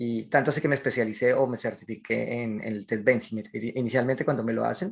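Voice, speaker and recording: Very fast male speech at a medium pitch, intonation fairly even. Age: 60s. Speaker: spiritual teacher and former Shaolin monk. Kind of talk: interview monologue.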